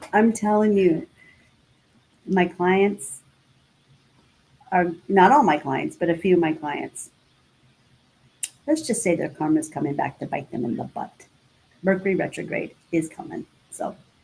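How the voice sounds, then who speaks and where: A woman speaks at a fairly slow pace with lively intonation. She leaves long, frequent pauses. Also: medium pitch for a woman. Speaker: spiritual talk show co-host. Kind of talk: casual chat. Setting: live stream. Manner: animated.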